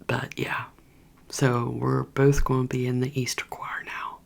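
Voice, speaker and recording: A woman's voice: rumbling low, little pitch movement, a little slow. A woman whispering in a rambling, chatty way, talking straight to her viewers for an ASMR video. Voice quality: breathy whisper. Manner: rambling, chatty, addresses viewers as "you guys". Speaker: ASMR creator. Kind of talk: whispered ASMR gossip chat. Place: indoors at home, heater running.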